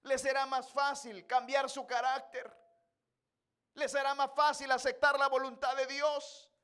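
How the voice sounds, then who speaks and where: A male pastor giving a sermon in a church, moving from chatty asides to loud, impassioned preaching. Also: extremely high pitch, flat delivery, unhurried.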